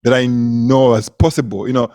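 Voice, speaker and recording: A man's voice: medium pitch, fairly even intonation, moderate pace, mellow. A young man from Zimbabwe, a comedian, telling stories in casual conversation, laughing often and repeating words as he goes. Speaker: comedian, guest.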